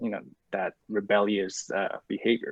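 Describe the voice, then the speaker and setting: Speaking at a moderate pace, a man talks in a Korean accent. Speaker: actor. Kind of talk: interview.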